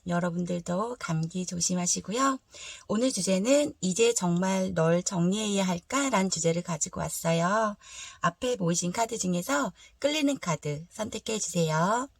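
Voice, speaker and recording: Hoarse, low-voiced woman reading tarot. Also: moderate pace, few pauses, no room sound. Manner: polite, explanatory. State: hoarse from a throat cold. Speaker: tarot reader, channel host. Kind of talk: conversational tarot reading to viewers.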